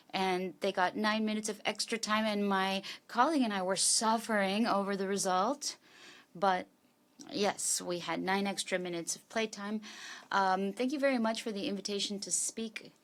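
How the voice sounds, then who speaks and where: A woman working as a simultaneous interpreter, rendering a panelist's speech in a steady, formal first-person delivery. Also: medium pitch.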